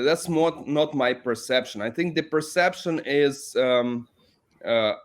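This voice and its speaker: Male professor from Ukraine, native Russian speaker, earnest and deliberate, mid-pitched voice, frequent restarts. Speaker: professor, interview guest. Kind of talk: measured interview answers.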